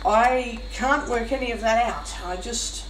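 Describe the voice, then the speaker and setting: Slow-talking woman venting while eating, far off. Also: on the high side. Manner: talking while eating, mouth sometimes full; exasperated, complaining. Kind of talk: venting monologue, casual spoken vlog. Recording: roomy, noisy, far from the mic.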